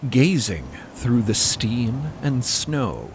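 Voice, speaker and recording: A man narrating a scripted audio drama in a deliberate, wry way. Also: medium pitch, very animated, noisy background.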